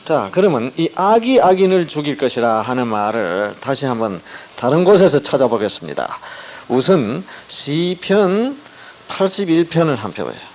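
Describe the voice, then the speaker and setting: A man's voice: mid-range voice, sing-song, normal speed, lo-fi sound, slight background noise. A male pastor giving a sermon, reading scripture aloud with drama and asking the congregation questions.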